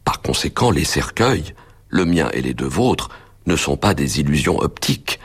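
A man's voice: extremely low pitch, lively intonation, moderate pace, husky, heavily acted. A man reading the lines of a frightened, breathless young doctor in a muffled, hollow voice. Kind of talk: audiobook character reading.

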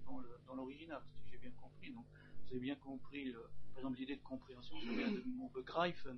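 A man's voice: mid-range voice, quick pace, highs cut off, background noise. A man whose first language is German, asking a long, searching question after a lecture, often repeating words as he hesitates. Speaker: audience member asking questions.

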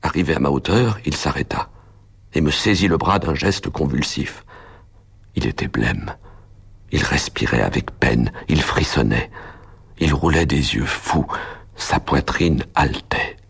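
A man narrating a story aloud in a steady, measured way. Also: very deep voice, vocal fry, slightly rough. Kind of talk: audiobook narration.

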